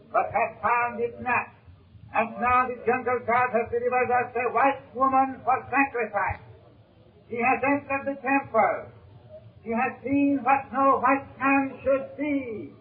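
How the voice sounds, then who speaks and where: An actor playing a solemn, menacing tribal leader, declaiming ceremonially in 1930s radio serial style. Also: male voice, very high voice, phone-quality sound. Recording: noisy, thin 1930s radio recording.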